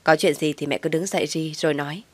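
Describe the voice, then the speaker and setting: A woman voicing a calm, reproachful adult man who speaks in a measured, stern way. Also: low voice, dry recording.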